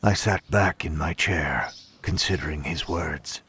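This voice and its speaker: An actor playing a cold, controlling inhuman interrogator in an audio drama, speaking in a measured, formal and deliberate way. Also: male voice, extremely low pitch, bright, forceful tone, a little hiss or hum, heavily acted. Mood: brooding, controlled. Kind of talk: audio drama with first-person narration.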